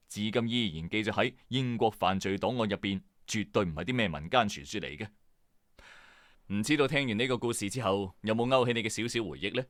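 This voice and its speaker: A man's voice: mid-range voice, no room sound, studio quality. A man with a Hong Kong Cantonese accent narrating a scripted mystery story in a conversational, suspenseful way, as a storytelling host. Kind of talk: dramatic scripted true-crime and mystery narration.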